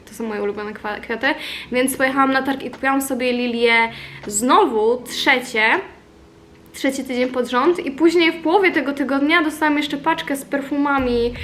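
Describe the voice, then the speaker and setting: High-pitched young woman, chatty vlogger. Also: moderate pace, a bit bright, slight background noise. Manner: informal, confiding, rambling storytelling with occasional swearing. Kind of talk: casual chatty vlog talk to followers.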